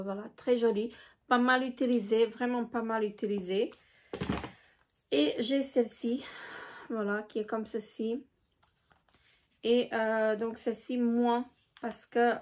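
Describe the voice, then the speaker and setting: Hesitant woman vlogger, slightly high voice. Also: a little mellow. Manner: hesitant, many filler pauses. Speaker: beauty vlogger. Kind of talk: casual show-and-tell vlog.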